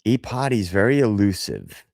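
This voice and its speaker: A man hosting a casual livestream, hoarse after a gig, talking loosely and swearing as he jokes with chat. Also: on the low side, huge pitch swings, normal speed, a little mellow, no echo, studio quality. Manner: loose and profane, jokey. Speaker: livestream host.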